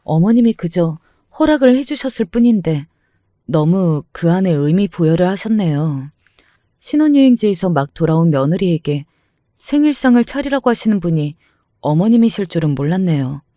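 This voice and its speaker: A man voicing a calm, cutting young newlywed daughter-in-law who answers politely but sarcastically. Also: high-pitched, normal speed, no echo, studio quality. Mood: sarcastic. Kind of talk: dramatized story reading.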